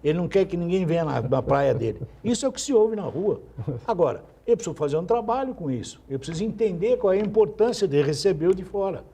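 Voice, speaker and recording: Man on a tv panel, kinda high but mellow husky voice, thoughtful and measured. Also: sing-song. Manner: measured, reflective, interjects politely. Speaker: talk show panelist. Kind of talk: TV talk show discussion.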